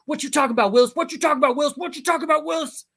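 A woman's voice: high voice, rapid-fire, creaky, fairly bright tone, pitched above the performer's own voice. A woman voicing a bratty young schoolboy who chants a catchphrase in a piercing, abrasive shriek.

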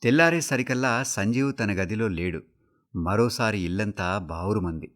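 A man giving a steady, measured reading of a short story for a radio broadcast. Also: on the low side. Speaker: story reader. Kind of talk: scripted radio story narration.

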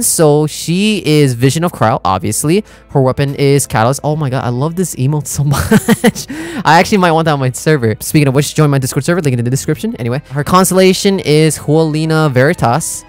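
A gaming YouTuber giving casual, slangy reaction commentary full of exclamations. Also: medium pitch.

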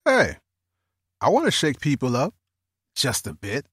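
A man hosting and producing a podcast, narrating a scripted intro with dramatic pauses on key phrases. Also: mid-range voice, wildly swooping pitch, fairly bright tone, husky, dry recording, studio quality.

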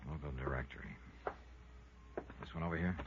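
An American actor playing a tough, wry, skeptical insurance investigator with clipped delivery in 1950s radio style. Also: male voice, rumbling low, animated, a little fast, background noise. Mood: curt, businesslike. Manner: clipped, hardboiled, pointed. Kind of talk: 1950s radio detective acting. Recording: dull vintage radio recording, faint music.

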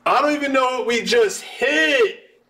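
High-pitched excitable man hosting a card break. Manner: excitable, drawn-out announcing of names. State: voice starting to give out. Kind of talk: live sports card break commentary. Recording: roomy echo, background noise.

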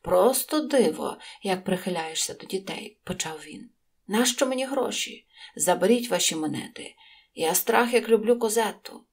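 A woman's voice: mid-range voice, animated, normal speed, husky. A woman voicing a sly, greedy male innkeeper from a storybook, putting on a good-natured, sincere tone. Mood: falsely sincere. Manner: cold, then falsely good-natured. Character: sly greedy innkeeper, middle-aged man.

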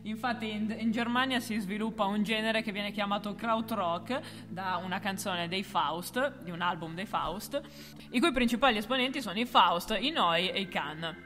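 A woman co-hosting a music history video, delivering a scripted explainer with deadpan, ironic asides. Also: medium pitch, moderate pace, in a large hall, a little hiss or hum. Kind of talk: scripted explainer with playful banter.

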